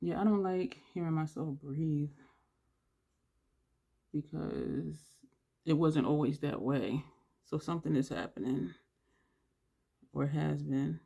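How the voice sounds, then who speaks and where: A beauty vlogger chats casually and rambles through a makeup tutorial, thinking aloud while working. The mid-range voice is slow, creaky and dark with a breathy edge, pausing often and sounding congested, with audible breaths between phrases.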